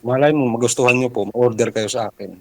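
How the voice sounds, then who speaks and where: A man's voice: medium pitch, fast, background noise. Hesitant man on a phone call. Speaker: caller. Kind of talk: casual chat on a phone call. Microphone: cellphone.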